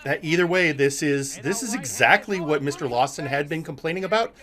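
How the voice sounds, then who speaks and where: A man hosting and commentating on a wrestling show, speaking haltingly and often repeating his words. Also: a little high, animated, bright, forceful tone. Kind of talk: live sports-entertainment commentary.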